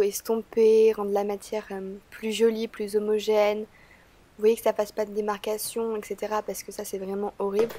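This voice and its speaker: A woman's voice: mid-range voice, mellow. A woman with a cold, talking through a makeup tutorial in a chatty, hesitant way with frequent "euh" fillers. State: stuffy-nosed from a cold. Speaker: beauty vlogger.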